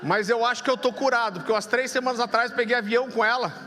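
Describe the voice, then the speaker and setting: A man in his thirties with a Brazilian Portuguese accent, a pastor preaching a sermon with humorous stories and quiet intense moments. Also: fairly even intonation, fast. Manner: humorous storytelling, shifts to low quiet intensity. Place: large church hall. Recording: long hall reverb, faint music.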